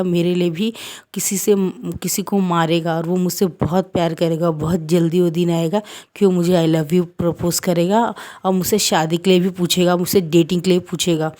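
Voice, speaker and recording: A woman voicing a brash, hot-tempered young man who rants, scolds and yells in a storytelling recap. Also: on the low side, natural voice. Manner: yelling, scolding, self-pitying rants.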